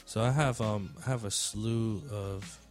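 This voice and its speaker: Low-pitched man chatting casually, music behind. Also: fairly even intonation, measured pace. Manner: slangy, conversational, swears freely. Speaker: music producer hosting a panel Q&A. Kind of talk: casual chat.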